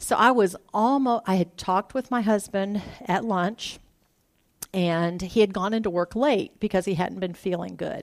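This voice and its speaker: A woman speaks in a Southern US accent at medium pitch with ordinary pitch variation. Her recording is very clean, with a silent background. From US South. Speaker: churchgoer giving testimony. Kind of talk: testimony.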